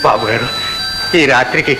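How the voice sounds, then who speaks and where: Actor as devoted manservant, echoing film voice. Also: male voice, medium pitch, moderate pace, background noise, lightly acted. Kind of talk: Telugu film drama acting. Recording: echoey old film, loud music.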